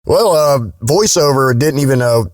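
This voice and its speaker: A man's voice: medium pitch, expressive, normal speed, dry recording, clean studio sound. A man chatting casually and bluntly as a podcast guest, telling anecdotes in a joking, informal way.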